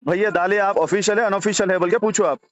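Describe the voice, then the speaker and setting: A man's voice: high voice, fairly even intonation, fast, no room sound. A man with a Hyderabadi Deccani accent arguing confrontationally on a phone call, repeating himself insistently. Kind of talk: heated argument on a phone call. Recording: dull lo-fi recorded phone call.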